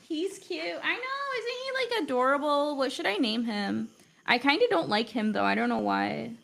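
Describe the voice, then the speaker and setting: On her live drawing stream, a young non-native English speaker who teaches art chats in a loose, rambling way, leaning heavily on "like." She sounds expressive and fairly bright, at a moderate pace, with a fairly high, gravelly voice full of fry.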